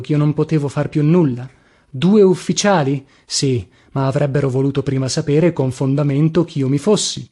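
Un uomo che legge un romanzo in prima persona, con una lettura espressiva e drammatica. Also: male voice, on the high side. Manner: expressive, dramatic reading. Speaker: audiobook narrator. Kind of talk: first-person literary narration.

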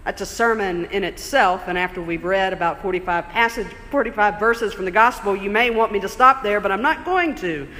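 A man preaching a sermon in a church, conversational and explanatory, slowing down for emphasis. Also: high-pitched, bright, forceful tone, a little hiss or hum. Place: church sanctuary. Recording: long church reverb.

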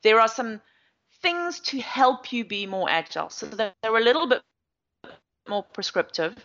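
Her voice sits fairly high and has a sing-song lilt, a bit bright, at normal speed. She's a South African agile coach answering interview questions at length, chatty and explanatory with lots of fillers, on slightly dull audio.

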